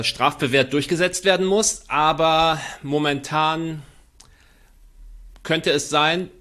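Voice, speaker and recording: A man's voice: medium pitch, a bit bright. A man talking as a podcast guest, explaining at length with frequent fillers and restarts. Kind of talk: casual podcast conversation.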